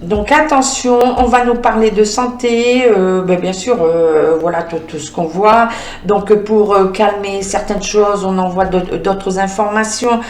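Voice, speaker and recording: Female medium, mid-pitched voice, halting card reading full of fillers, recorded in a roomy space. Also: steady tone. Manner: halting, many filler sounds, talks to the cards. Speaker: medium reading oracle cards. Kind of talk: spoken card reading with visions.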